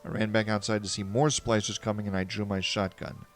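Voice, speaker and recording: A man's voice: on the low side, flat delivery, fairly quick. A man narrating a first-person fan fiction story in a wry, earnest way.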